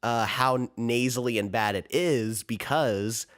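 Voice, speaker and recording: A man's voice: mid-range voice, slow pace, a bit bright. A man hosting a book-and-film podcast, a little sick and nasal, chatting casually with plenty of fillers from a living room. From United States. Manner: chatty, self-deprecating, many fillers. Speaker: podcast host. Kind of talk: casual chat. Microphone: new podcast microphone.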